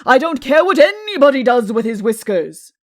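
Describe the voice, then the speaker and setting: A woman's voice: high-pitched, very animated, normal speed, no room sound, clean studio sound, voice pushed up. A woman voicing a vain, vengeful king in a comic audiobook, curt and haughty with heavy, cold emphasis. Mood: cold outrage. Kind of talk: audiobook comic character acting.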